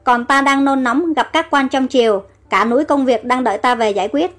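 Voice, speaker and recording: A woman's voice: high-pitched, brisk, a bit bright. A woman voicing a young male pharaoh who is affectionate and reassuring, in a storybook reading. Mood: calm. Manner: tender, reassuring.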